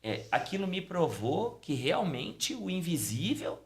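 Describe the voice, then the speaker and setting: Animated man telling a story. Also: measured pace. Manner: animated storytelling, acting out dialogue with pitch swings. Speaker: podcast guest, Umbanda priest. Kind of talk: casual storytelling.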